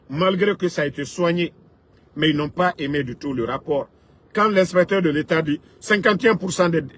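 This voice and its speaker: Husky guy ranting hard about politics, kinda high voice, gets loud then drops low. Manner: emphatic, swings between loud outbursts and low asides. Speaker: political commentator. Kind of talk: impassioned political rant.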